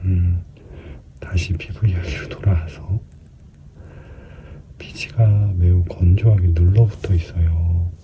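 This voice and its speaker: A man giving a casual explanatory commentary as a skin care practitioner at work, hesitant at times and now and then dropping to a soft murmur. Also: sits low, steady tone, slow, pauses often. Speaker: skin clinic practitioner narrating an extraction procedure. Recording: clearly noisy room recording.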